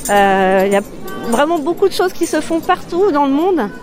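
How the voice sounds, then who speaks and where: A woman's voice: high-pitched, sing-song, moderate pace, over music. A woman answering an interview spontaneously, hesitant and with frequent fillers.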